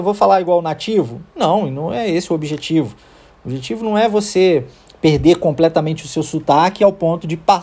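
Husky Brazilian man teaching English. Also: on the high side, dark tone. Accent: Brazilian Portuguese. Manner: explanatory, checks in with "tá?" and "ok?". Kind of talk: podcast language lesson.

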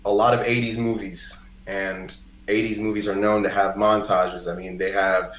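A Costa Rican singer-songwriter, a native Spanish speaker, guests on a podcast, chatting casually and sharing personal stories, with lots of "like" and "you know." His voice is fairly low and bright, with a level tone at a moderate pace. The room sounds roomy and echoey.

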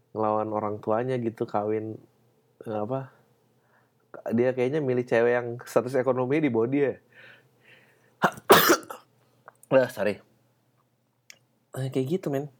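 A man's voice: mid-range voice, steady tone, a little slow, pauses often. A man hosting a solo podcast, talking in a rambling, slangy, profane way with lots of fillers. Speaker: podcast host. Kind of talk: casual solo podcast monologue.

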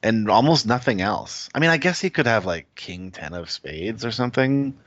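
A man's voice: fairly low pitch, expressive, normal speed, fairly bright tone, no room sound, lo-fi sound. A man appearing as a guest, analyzing poker strategy casually and thinking aloud with many "like"s.

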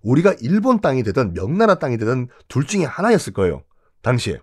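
A man telling history stories in a chatty, animated way, acting out the people he talks about. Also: mid-range voice, quick pace, husky. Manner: animated, chatty, acts out quotes. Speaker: history storyteller. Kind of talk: casual history storytelling.

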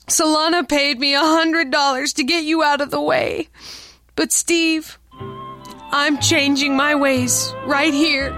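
A woman playing a young female con artist who pleads sweetly and melodramatically in a pulp radio play. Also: high voice.

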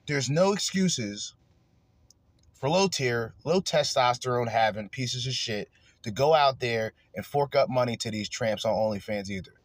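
A man's voice: mid-range voice, normal speed, no room sound. A man hosting a podcast, ranting crudely and angrily in heated commentary. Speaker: podcast host.

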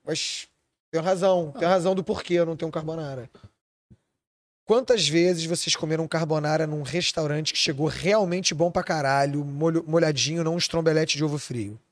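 A man's voice: on the high side, normal speed, dry recording. A man from Switzerland, a chef and restaurant owner, talking animatedly in a casual podcast chat and swearing freely.

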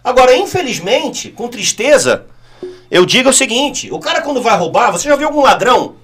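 A man's voice: very high voice, big pitch swings, brisk, a bit bright, slightly rough. A middle-aged man, a former police officer and politician, telling stories bluntly and emphatically as an interview guest. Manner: emphatic, repetitive, blunt, storytelling. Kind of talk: casual interview storytelling.

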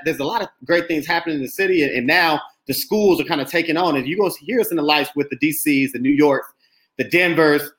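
A man's voice: fairly high pitch, a bit bright. Upbeat man hosting, roomy sound. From Indianapolis, United States. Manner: enthusiastic, says "man" often. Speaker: podcast host. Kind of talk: casual conversational interview. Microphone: remote call mic. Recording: roomy echo.

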